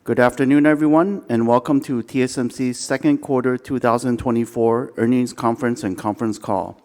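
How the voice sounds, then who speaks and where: A man speaks as a formal corporate host. His mid-range voice carries measured, scripted announcements through a long hall reverb. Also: medium pitch, fairly even intonation, darkish tone. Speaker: investor relations director hosting an earnings call. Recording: hall reverb from a conference room.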